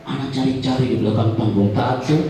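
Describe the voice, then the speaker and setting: A man's voice: medium pitch, fairly even intonation, fast, warm tone. A man telling a dramatic personal story as a motivational seminar speaker. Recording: echoey hall, distant mic.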